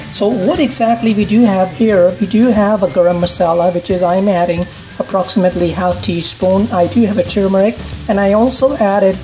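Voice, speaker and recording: A woman speaking at a fairly quick pace, with very even loudness, ordinary pitch variation and light background noise. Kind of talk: cooking tutorial. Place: kitchen.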